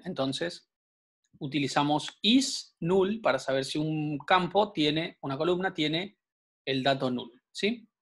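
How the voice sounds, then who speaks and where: A man teaches a programming class online. He explains step by step and keeps checking whether the students follow. His voice sits a little higher than most men's. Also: fairly bright tone. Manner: patient, explanatory, frequent check-ins with students.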